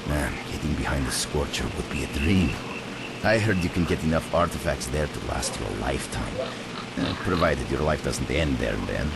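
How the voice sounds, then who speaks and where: A man's voice: a bass voice, normal speed, gravelly, loud music behind the voice. A man playing a shrewd, jovial but world-weary black-market trader in a video game, talking in a folksy, wry, chatty way. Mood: weary, wistful.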